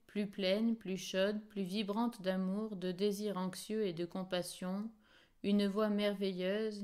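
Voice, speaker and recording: A woman reading a novel aloud as an audiobook narrator, in a measured and expressive way. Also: medium pitch, smooth. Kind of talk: scripted literary narration.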